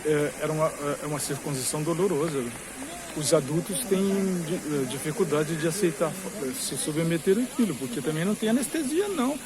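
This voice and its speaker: A Brazilian man with a slightly high voice talks informally and digressively, as if vlogging from a queue. He explains things at length and repeats points for emphasis. A busy crowd is clearly heard around him. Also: expressive, fairly quick, poor audio. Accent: Brazilian Portuguese. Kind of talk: rambling informal commentary to camera. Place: among a crowd in a queue outside a cathedral. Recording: busy crowd noise with hiss. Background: crowd chatter.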